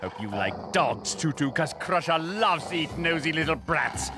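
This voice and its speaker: A man's voice: a little high, expressive, music in the background. A man voicing a greedy, cruel, scheming con-man villain in a cartoon, sneering and theatrical. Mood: furious, menacing. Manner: sneering, theatrical, drawn-out delivery. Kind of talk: cartoon voice acting.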